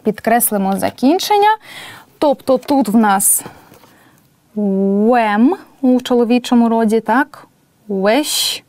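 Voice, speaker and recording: A woman teaching a language lesson at a board, explaining patiently and spelling out examples slowly. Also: fairly high pitch, lively intonation, darkish tone, no echo.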